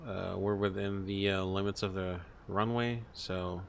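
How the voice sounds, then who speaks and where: A man's voice: low-pitched, steady tone, unhurried, creaky. A man streaming a flight simulator as the captain, thinking aloud through cockpit procedures with hesitant, procedural phrasing. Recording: faint background noise, cockpit ambience.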